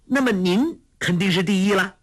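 A man's voice: very animated, fairly bright tone, breathy edge, no echo. A man voicing a clever, playful teenage girl in a storybook reading, in a raised, coaxing voice. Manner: high, quick, coaxing.

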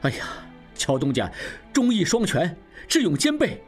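A man's voice: high voice, wildly swooping pitch, normal speed, soft background music. A man voicing an effusive, admiring male merchant in an audiobook. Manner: effusive, praising.

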